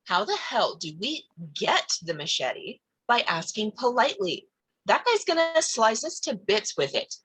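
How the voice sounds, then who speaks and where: Woman playing a bright, husky, exasperated teenage skeptic. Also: fairly high pitch, very animated, measured pace, no room sound, exaggerated voice, low-quality recording. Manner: sarcastic, blunt. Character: Vicky, skeptical, exasperated, sharp-tongued teenage girl. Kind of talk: table read of a horror comedy film script.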